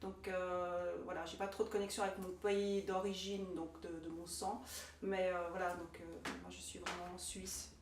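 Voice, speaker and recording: A Swiss-born woman answering interview questions, lively, often repeating words as she starts. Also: lowish voice, normal speed, recorded from a distance. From Switzerland. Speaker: singer, guest. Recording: roomy, off-mic, audible hiss.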